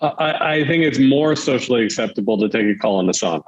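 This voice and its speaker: A man's voice: medium pitch, expressive, quick pace, lo-fi sound. A man co-hosting a podcast, telling anecdotes in a casual conversational way. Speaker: podcast co-host, real estate agent.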